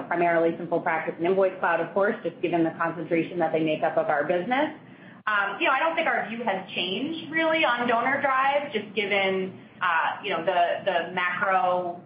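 A woman speaking as a company finance executive answering on an earnings call, in a measured, careful corporate manner. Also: medium pitch. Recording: echoey, tinny conference phone line with noise.

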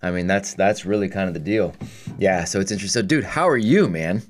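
Male interview host, lower-pitched voice, informal slangy delivery, conversational. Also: animated, brisk, a little hiss or hum. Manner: informal, slangy, says "dude" and "man" often. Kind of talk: casual chat.

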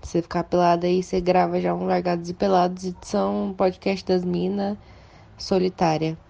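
A woman's voice: lowish voice, little pitch movement, moderate pace, creaky, dark tone, muffled recording. A woman with a Brazilian accent giving playful, mock-serious advice to a friend in a casual chat. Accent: Brazilian Portuguese. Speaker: podcast co-host.

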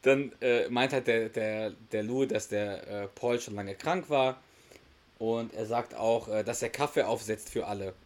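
A man's voice: on the low side, measured pace. A man hosting a podcast, casually retelling a sitcom episode, often laughing and acting out the characters' lines. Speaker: podcast host.

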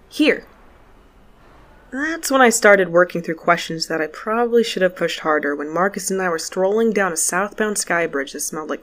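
An actress playing a wry, sharp-tongued, foul-mouthed space courier in an audio drama, talking in a sardonic, colloquial way. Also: female voice, mid-range voice. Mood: exasperated. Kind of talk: first-person audio drama narration and dialogue.

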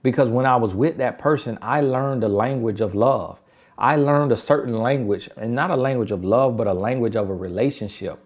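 A man's voice: mid-range voice, moderate pace. A man with a country Southern accent giving relationship advice in an emphatic, repetitive motivational style. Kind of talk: motivational talk.

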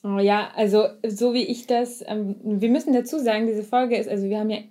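A woman's voice: medium pitch, fairly even intonation, a little fast, mellow. A woman hosting a podcast in a casual, unscripted chat. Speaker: podcast host.

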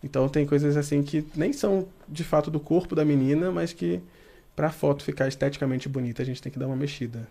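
A fairly high-voiced man talks casually about his work behind the camera, easygoing and candid. He keeps bursting into high, giggling laughter. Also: fast talker, gravelly, mellow. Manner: laughs often, giggling high when amused. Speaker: photographer for a men's magazine. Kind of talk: casual podcast chat.

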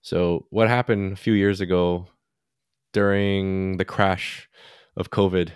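Guy with a lowish voice chatting about money on a podcast, keeps saying right?, dry close sound. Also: flat delivery, takes it slowly, clean tone, no room sound. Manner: explains in a loose, chatty way and tags lines with "right?". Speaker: podcast co-host. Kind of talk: casual finance chat.

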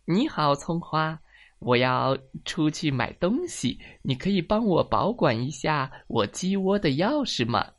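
A woman's voice: low voice, sing-song, unhurried, voice pushed up, full character voice. A woman voicing a courteous black rooster friend in a storybook reading. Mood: polite. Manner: courteous, polite.

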